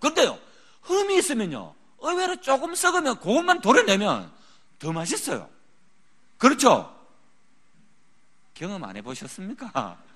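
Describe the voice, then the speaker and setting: Speaking at a moderate pace in a slight Daegu accent, a man uses very wide pitch swings and a bright, sharp tone. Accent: slight Gyeongsang (Daegu) dialect. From South Korea, Daegu. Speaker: missionary ministry staff, preacher. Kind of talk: sermon. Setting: church meeting with audience. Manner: animated, conversational with audience.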